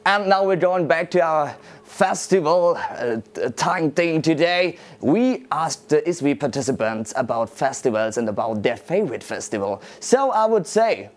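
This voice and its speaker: A man presenting a student show, upbeat and slightly stumbling over his words. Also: a little high.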